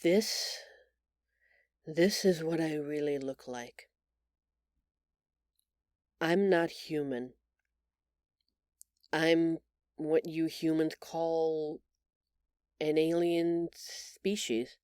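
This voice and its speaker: A woman playing a gentle, frightened alien shapeshifter in an audio roleplay, halting, earnest and apologetic. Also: low voice, steady tone, no room sound, clean studio sound, pitched below the performer's own voice. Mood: apologetic, hesitant. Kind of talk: audio roleplay acting, intimate confession.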